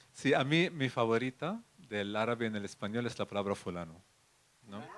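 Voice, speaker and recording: A man with an Arabic accent at a moderate pace, with ordinary pitch variation. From Palestine. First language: Arabic (speaking Spanish). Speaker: translator. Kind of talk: panel discussion.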